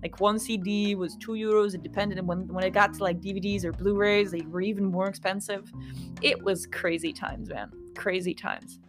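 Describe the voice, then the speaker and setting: A woman's voice: medium pitch, fairly even intonation, normal speed, over music. Chatty woman from Kosovo, American-tinged accent. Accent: American-influenced English. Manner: chatty, rambling, with frequent likes and asides to listeners. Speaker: podcast host. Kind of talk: casual reflective monologue.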